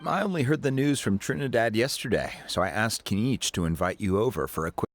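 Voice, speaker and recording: An actor playing a dignified, earnest middle-aged tribal chief in a video game, speaking formally and courteously. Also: male voice, fairly low pitch, animated, brisk.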